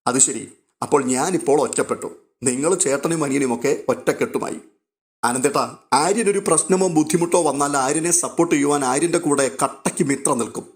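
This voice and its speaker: A man's voice: a little high, fast, natural voice. A man reading a bitter, hurt young wife. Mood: resentful. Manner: accusing, bitter.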